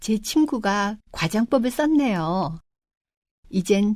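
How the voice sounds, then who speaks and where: A woman's dark, mellow tone at fairly high pitch with very wide pitch swings, on a very clean recording with a silent background. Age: 50s. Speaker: podcast co-host. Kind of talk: scripted casual talk.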